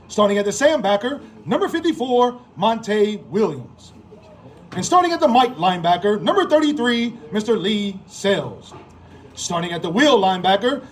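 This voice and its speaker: A man with an American accent working as a public address announcer at a football game, calling out lineups with theatrical, drawn-out names. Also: sits high, slight background noise. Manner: theatrical, drawn-out name calls.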